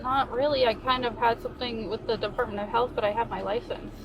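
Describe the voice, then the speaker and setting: A woman's voice: on the high side, steady tone, fast, muffled recording. A woman being arrested, answering police and pleading insistently in a conversational way, picked up by a body camera outdoors. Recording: outdoor bodycam audio with crowd-like background babble.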